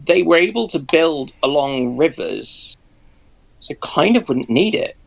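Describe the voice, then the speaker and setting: Male co-host, gravelly fry in the voice, hesitant measured talk. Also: fairly high pitch, big pitch swings, poor audio. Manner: hesitant, measured, lots of ums. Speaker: co-host on live stream. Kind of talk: casual chat.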